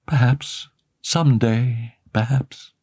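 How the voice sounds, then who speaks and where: A man playing a despairing young woman, speaking low and quiet with a grave, breaking tone. Her voice is husky and dry, as a storyteller puts her on. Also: moderate pace, no room sound. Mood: grave, sorrowful.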